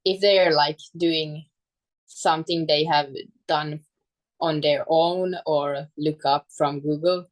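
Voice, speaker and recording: A woman with a low voice and a Finland-Swedish accent talks as a guest in a casual interview. She goes slowly, halting to find her words in English, which is second to her native Swedish. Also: steady tone, low-quality recording. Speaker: guest, fitness coach.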